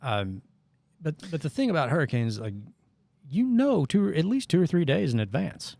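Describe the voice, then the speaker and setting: A man's voice: fairly high pitch, very animated, moderate pace, creaky, a little mellow, no room sound, clean studio sound. A middle-aged man from Northeast Arkansas, hosting a casual podcast and telling rambling, sarcastic stories. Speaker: podcast host.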